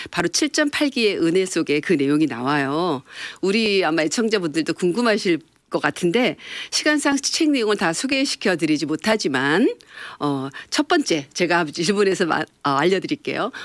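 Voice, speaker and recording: Recorded very cleanly with a silent background and a dry, close sound free of echo, a woman speaks at a moderate pace and very even loudness, her fairly low voice making very wide pitch swings. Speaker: evangelist, radio/TV program host. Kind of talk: interview question.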